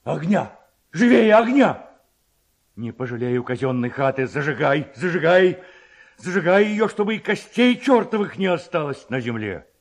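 A blustering, superstitious old headman from a storybook, acted by a male narrator. He barks commands with very animated pitch, in the manner of a rustic authority. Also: moderate pace. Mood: frantic commanding. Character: blustering, superstitious village headman, grey-haired man.

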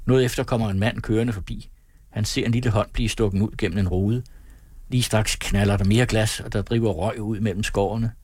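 A man reading a novel aloud as an audiobook narrator, calm and measured in his storytelling. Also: lowish voice, no echo, studio quality. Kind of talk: scripted narration.

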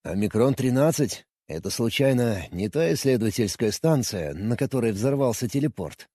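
A man voicing a reserved, guarded engineer on a space station, speaking quietly in a husky voice. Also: mid-range voice, lively intonation, normal speed, no room sound, clean studio sound. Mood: wary.

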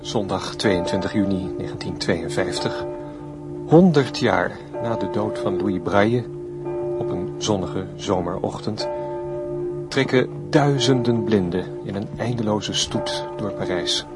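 Slow, solemn male radio reporter, played by an actor. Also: fairly low pitch, natural voice. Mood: solemn, stately. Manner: solemn, measured, hesitant fillers. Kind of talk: 1950s live radio commentary acting. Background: church bells, music.

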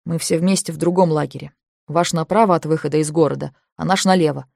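A woman reading a steady young man. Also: sits low, quick pace, gravelly, no echo, studio quality. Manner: steady, reassuring, matter-of-fact. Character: calm young man, tall and thin, quick-witted interpreter.

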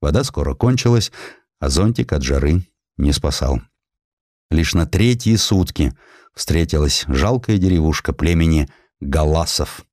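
Deep-voiced, highly expressive male narrator. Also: measured pace, no echo, clean studio sound. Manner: expressive, theatrical storytelling. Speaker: audiobook narrator. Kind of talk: dramatized narration of a historical story.

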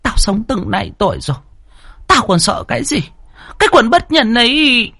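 Man playing an old nursemaid, blunt, grumbling, defiant, high, husky. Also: very animated, normal speed, pushed and bright, dry recording, studio quality, heavily acted. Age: older.

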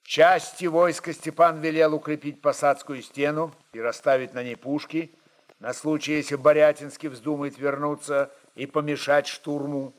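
A man's voice: on the high side, little pitch movement, moderate pace. A man narrating literary prose in a dramatic storytelling style.

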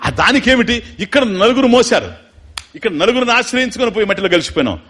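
A man giving a spiritual discourse, mixing explanation with slow, musical chanting of verses. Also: very high-pitched, slightly rough. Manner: animated, chants Sanskrit verses slowly and musically. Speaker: spiritual lecturer. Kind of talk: devotional discourse.

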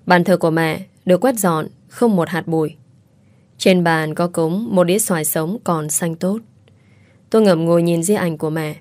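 A woman reading a first-person story aloud in a calm, reflective, steady manner. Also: lowish voice, dry recording. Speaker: audiobook narrator.

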